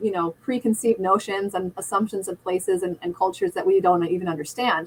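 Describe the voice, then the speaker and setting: With an American accent, a woman talks at a fairly quick pace and medium pitch in a plain, everyday voice. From Minnesota. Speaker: guest, mother and newcomer homesteader. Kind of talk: casual live interview chat.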